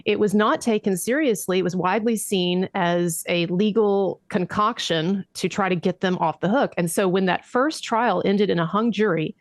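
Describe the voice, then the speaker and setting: A woman's voice: mid-range voice, moderate pace, hardly any pauses, dry recording, clean studio sound. A woman guest laying out a story methodically and fluently, her voice a little nasal from allergies. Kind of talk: storytelling in an interview.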